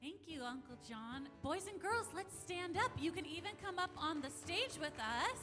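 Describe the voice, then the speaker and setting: A woman's voice: extremely high pitch, lively intonation, normal speed. A woman leading children at church, giving simple, encouraging instructions like a kindergarten teacher. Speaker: children's song leader at church. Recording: music behind the voice.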